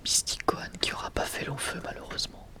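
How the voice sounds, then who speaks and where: A man's voice: fast talker, pushed and bright. Whispering young man, ASMR. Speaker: ASMR video creator presenting a manga collection.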